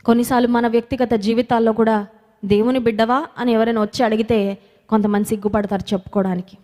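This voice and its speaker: A woman's voice: fairly high pitch, fairly even intonation, fast, warm tone. A woman preacher, giving a sermon and leading prayer, repeating phrases and asking herself questions. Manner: repeats phrases, asks and answers her own questions, drops into English. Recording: long hall reverb with music behind.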